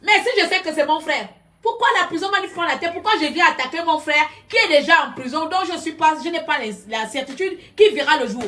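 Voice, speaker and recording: Woman streamer, high-pitched, loud and combative, shouts at her viewers over a webcam. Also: expressive, brisk. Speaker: live-stream commentator. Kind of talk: heated live-stream rant. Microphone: computer webcam.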